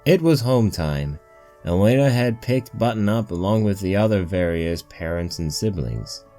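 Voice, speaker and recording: A man's voice: low-pitched, expressive, moderate pace, warm tone, soft background music. A man reading a story aloud as its narrator, in scripted storytelling style. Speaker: narrator of a fan fiction reading.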